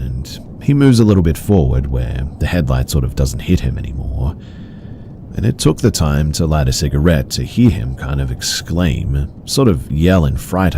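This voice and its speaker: A man reading out horror stories in an even, measured storytelling delivery. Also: very deep voice, creaky, a little hiss or hum. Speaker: story narrator. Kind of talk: scripted horror story narration.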